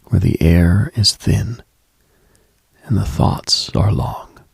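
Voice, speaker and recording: A late-night radio host, a man with a very low voice full of heavy vocal fry. He muses in a hushed, husky murmur, leaving long pauses, recorded close and dry. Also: dry recording. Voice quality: husky, gravelly, breathy. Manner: hushed, musing, pausing often. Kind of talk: slow late-night mystical radio monologue, ASMR-like.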